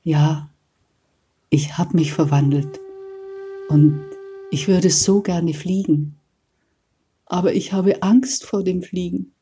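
A woman voicing a weary, timid old rat in a told fairy tale, fretting slowly over what to become. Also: fairly low pitch, dark tone, soft background music, pitched above the performer's own voice.

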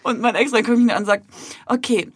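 A woman in her thirties co-hosting a podcast, telling a story in a lively way, acting out what people said and laughing loudly and often. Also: on the high side, very fast. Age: 30s. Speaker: podcast co-host. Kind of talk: casual chat, storytelling.

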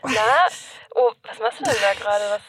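A woman's voice: on the high side, lively intonation, normal speed, fairly bright tone, breathy edge. A woman in casual banter, introducing a guest to a colleague on a show.

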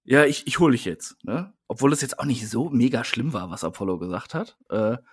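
Husky german guy ranting about wrestling, exasperated, podcast chat. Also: mid-range voice, lively intonation, a little fast. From Germany, Siegerland. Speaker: podcast co-host.

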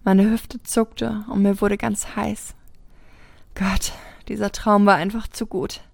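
A woman reading a first-person erotic story aloud, with steady, even narration. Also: mid-range voice, takes it slowly, creaky, no room sound, clean studio sound. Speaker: podcast host reading a story.

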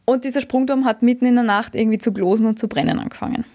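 A woman with a slightly higher voice chats casually and tells stories with playful, dry irony. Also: racing, mellow. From Austria. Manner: playful, dry ironic humor. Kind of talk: casual chat, storytelling game.

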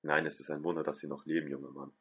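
A man voicing a brisk older male doctor in a story, matter-of-fact and plain. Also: a bass voice, level tone, creaky, lo-fi sound, heavily acted.

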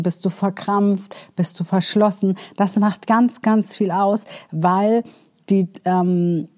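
A woman's voice: medium pitch, mellow. A woman giving spoken coaching advice, speaking earnestly and directly to the listener, asking rhetorical questions and using many fillers. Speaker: self-improvement coach.

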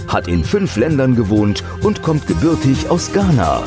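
A man reading a scripted podcast introduction in a lively, promotional way. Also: medium pitch, normal speed. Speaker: podcast announcer. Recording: voice-over over music. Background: music.

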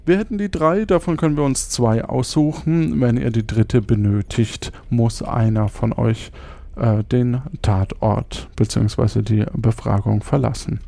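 A man hosting as game master of a mystery podcast, talking in a brisk, organizing way. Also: mid-range voice, fairly even intonation, creaky, dark tone, no room sound.

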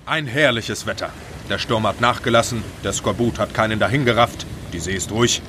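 A man's voice: on the low side, fairly quick, heavy background noise, close to an everyday voice. A man voicing an old, confused ship captain who barks orders in a pompous, commanding way. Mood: bossy.

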